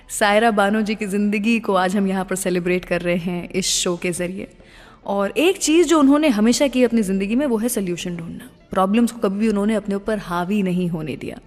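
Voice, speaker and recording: Woman radio host in long reverb, music behind. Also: medium pitch. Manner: mixes English phrases into Hindi. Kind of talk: conversational Hindi radio presenting with storytelling. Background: music playing under the voice.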